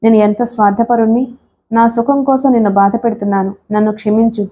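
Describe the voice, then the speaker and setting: A woman voicing a devoted older husband in a wheelchair, speaking gently and pleadingly in an audiobook. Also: on the high side, fairly even intonation, quick pace, a little hiss or hum, natural voice. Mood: tender. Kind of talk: audiobook character reading.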